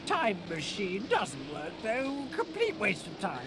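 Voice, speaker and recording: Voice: mid-range voice, wildly swooping pitch, slow, music in the background. An actor voicing a scatterbrained old inventor professor in a game, fussy and exclaiming. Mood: dismissive. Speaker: game character.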